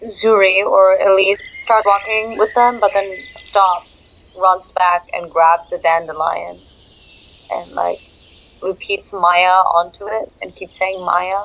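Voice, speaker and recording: A woman's voice: medium pitch, little pitch movement, slow pace, a bit bright, poor audio. A woman player in a tabletop game, describing her character's actions in a casual way.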